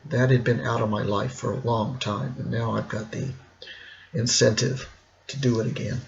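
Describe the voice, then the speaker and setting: A middle-aged man with a gravelly, hoarse, cracking voice, talking casually and reflectively in a rambling personal vlog. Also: mid-range voice, little pitch movement, dull audio. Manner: rambling, reflective, slow with pauses. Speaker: vlogger.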